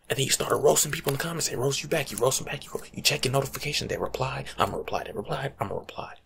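Young adult American male, husky half-whispered ASMR monologue, lively swings in pitch, casual street-slang delivery. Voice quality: breathy, often dropping to a whisper. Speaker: ASMR video creator. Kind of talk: ASMR role-play monologue, casual life-coach advice. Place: small room at home, indoors.

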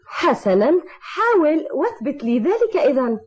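A woman's voice: sits high, sing-song, moderate pace, a little mellow. A woman voicing a worried, headstrong young woman in an Arabic cartoon dub, speaking urgently and pointedly. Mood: insistent. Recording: dull old TV dub soundtrack.

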